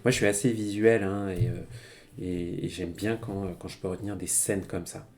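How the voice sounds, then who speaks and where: A man's voice: sits low, fairly even intonation, moderate pace, a little mellow. A man giving a casual, chatty live-streamed language lesson, with many fillers and frequent laughs as he explains. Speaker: Japanese teacher. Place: home streaming setup.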